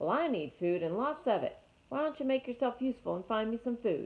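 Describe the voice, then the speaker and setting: A woman's put-on character voice, high-pitched and growling, at a fairly quick pace. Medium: read story. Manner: sly, growling.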